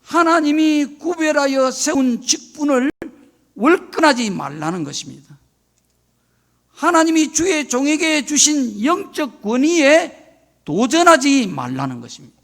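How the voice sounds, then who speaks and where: A man's voice: very high-pitched, very animated, measured pace, gravelly, fairly bright tone. An older man, a retired senior pastor, preaching a solemn, emphatic sermon of warning.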